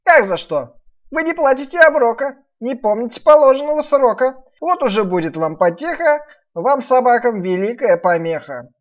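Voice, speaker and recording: A woman's voice: a little high, sing-song, normal speed, voice pushed up. Storybook peasant trickster, a man played by a woman: brash, taunting, swooping intonation, dull sound. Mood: threatening. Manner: taunting, commanding. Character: cunning brash peasant workman, mocking and bossy. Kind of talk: dramatised fairy-tale reading.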